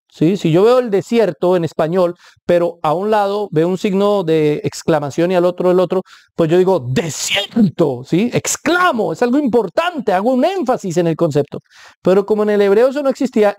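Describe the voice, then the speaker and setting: Man, preacher-teacher, warm and mellow tone, emphatic with repetition, dry close sound. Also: high-pitched, dry recording. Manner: emphatic, stresses points by repeating words; checks in with listeners with a questioning aside. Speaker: preacher teaching Bible interpretation. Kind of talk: Bible teaching talk.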